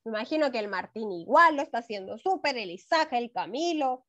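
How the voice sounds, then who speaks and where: A woman's voice: fairly high pitch, lively intonation, a little fast, pushed and bright. A woman with a Chilean accent teaching a first-grade class online, affectionate and encouraging with her pupils. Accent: Chilean Spanish. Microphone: video call. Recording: dull lo-fi video call audio.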